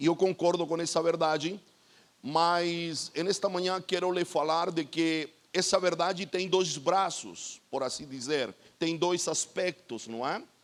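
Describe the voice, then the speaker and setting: On a very clean recording with a silent background, a man with a high pitch speaks at a fairly slow pace with fairly even intonation. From Chile. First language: Spanish (speaking Portuguese). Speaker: pastor. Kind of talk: sermon.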